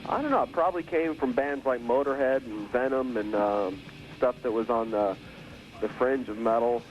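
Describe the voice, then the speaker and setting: A record producer calling in by phone, speaking casually and hesitantly with many fillers, heard from a worn tape copy. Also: male voice, medium pitch, moderate pace. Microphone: telephone. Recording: dull phone line on worn tape with hiss.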